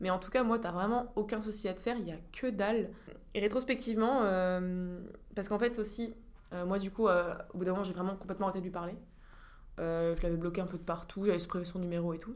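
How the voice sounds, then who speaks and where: Speaking at a very fast pace yet with long, frequent pauses, a woman keeps a medium pitch and fairly even intonation. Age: 20s. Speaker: podcast guest sharing testimony. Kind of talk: testimony. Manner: hesitant with fillers.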